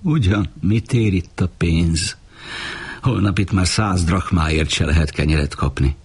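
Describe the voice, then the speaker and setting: A man's voice: low voice, husky, voice pushed up. A man reading an audiobook, voicing a blunt, defiant young Jewish man from Rome with terse replies. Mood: curt.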